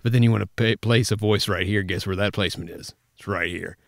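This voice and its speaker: Low-voiced man teaching casually, close and dry. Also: steady tone, quick pace, gravelly, dry recording. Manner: casual, conversational. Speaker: voice actor teaching a tutorial. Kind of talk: informal instructional talk with vocal demonstrations. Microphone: close studio microphone, spoken slightly to the side.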